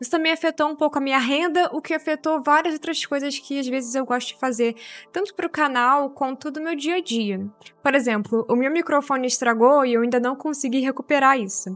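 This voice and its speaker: Speaking fairly quickly in a Rio de Janeiro accent, a woman uses a high pitch with ordinary pitch variation. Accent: Rio de Janeiro (carioca), strong hissing S. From Rio de Janeiro state, Brazil. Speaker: YouTuber, vlogger. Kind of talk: casual monthly favorites vlog. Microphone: broken microphone, using substitute.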